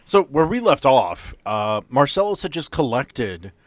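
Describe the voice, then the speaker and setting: A man narrating an improvised tabletop horror game as game master, with theatrical storytelling and dramatic pauses. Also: medium pitch, sing-song, no echo. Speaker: game master, podcast host.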